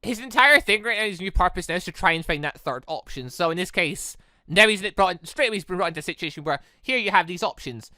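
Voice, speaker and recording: A man commenting on a visual novel playthrough as a gaming host, talking in animated, rambling explanations. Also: a little high, clear, resonant tone, dry recording, clean studio sound.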